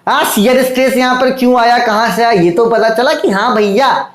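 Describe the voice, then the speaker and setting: A man teaching an engineering exam-prep lecture, loud and intense, fatherly with his students, and dictating definitions slowly word by word. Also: very high voice, roomy sound.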